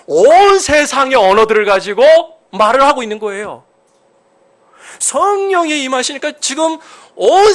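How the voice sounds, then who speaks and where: A man delivers a sermon as a pastor, speaking emphatically, with sudden jumps in pitch and volume as he poses questions to the congregation.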